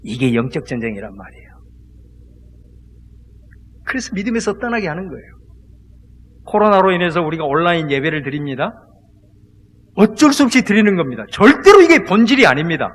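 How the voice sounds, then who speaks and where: Male pastor, high lively voice, husky edge, emphatic sermon delivery; recorded in a long-reverb hall. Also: a little fast, long pauses. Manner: emphatic preaching, leads the congregation in call-and-response repetition; swings between loud exclamations and hushed asides.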